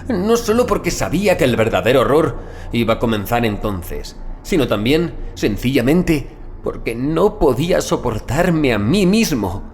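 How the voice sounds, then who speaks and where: A man narrating a scripted first-person horror story in a measured, deliberate literary manner. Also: medium pitch, a little mellow, slight background noise. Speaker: audiobook narrator.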